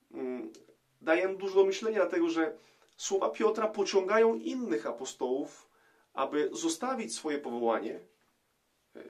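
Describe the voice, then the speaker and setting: A middle-aged man, a priest, giving a reflective gospel commentary to camera in a small room, pausing often with hesitation sounds. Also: a little high, a little mellow. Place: small indoor room, plain wall.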